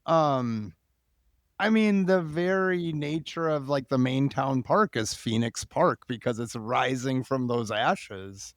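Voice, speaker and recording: A man's voice: mid-range voice, slow pace, no echo, studio quality. An American man hosting a casual interview, talking in a rambling, enthusiastic way with jokey asides. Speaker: podcast host, interviewer.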